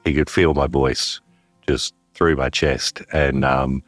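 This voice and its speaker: A man with a very deep, resonant voice reflects on becoming a father. He talks in a halting, thoughtful way, pausing and restarting as he works out what he means. The sound is close and dry. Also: little pitch movement, dry recording, soft background music. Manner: thoughtful, halting, searching for words. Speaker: father interviewed about parenthood. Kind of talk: reflective interview conversation.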